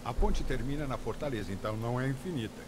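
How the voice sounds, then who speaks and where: A man with a Brazilian accent playing a blunt, literal-minded alien warrior in a video game, formal and deadpan. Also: mid-range voice, fast talker, background noise, close to an everyday voice. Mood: deadpan, stern. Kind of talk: dubbed video game dialogue.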